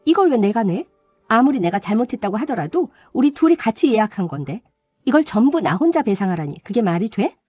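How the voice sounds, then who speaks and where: A woman's voice: a little high, sing-song, brisk, mellow, no echo, soft background music. A woman voicing a cheating young bride-to-be who whines and makes excuses, in radio drama style. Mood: defiant. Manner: whiny, making excuses.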